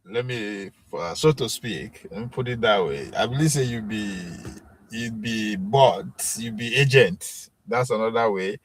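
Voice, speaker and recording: A man's voice: on the low side, measured pace, a little hiss or hum, low-quality recording. A man with a Nigerian accent hosting a live stream, chatting with commenters in a rambling, self-assured way with many fillers. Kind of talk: casual chat with chat commenters.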